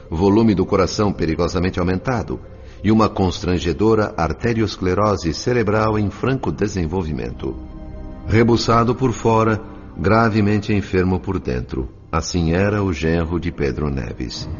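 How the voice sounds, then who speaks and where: An actor playing a reflective, compassionate narrator in a radio drama audiobook, with a Brazilian accent. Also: male voice, sits low. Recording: slightly dull sound. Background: faint music.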